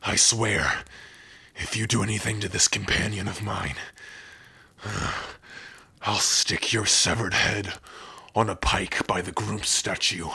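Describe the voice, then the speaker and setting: A man playing a gruff, defiant orc warrior with a gravelly, raspy voice in an ASMR roleplay, blunt and threatening, protective of a companion. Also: low voice, unhurried, long pauses, pushed and bright, exaggerated voice. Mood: furious, threatening.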